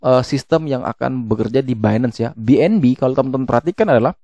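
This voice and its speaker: Guy doing a casual explainer vid, mellow voice, kinda halting w lots of hesitations, mid pitch, dry sound. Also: no room sound. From Indonesia. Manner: halting, with frequent hesitations and self-corrections. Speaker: YouTube host explaining crypto tokens. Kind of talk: casual explainer, walking through a web page.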